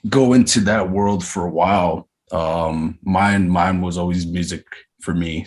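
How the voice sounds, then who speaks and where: Deep-voiced man in his thirties, reflective. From Arizona, USA. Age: 30s. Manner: reflective, unhurried, frequent hesitations. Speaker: podcast guest. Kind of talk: casual interview chat.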